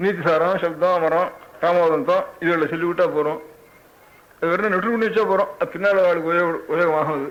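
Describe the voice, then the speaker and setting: High-pitched and fairly even in intonation, a man's voice holds a very even loudness. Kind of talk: religious discourse on teaching Vedic rituals and devotional texts. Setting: old archival recording of a talk.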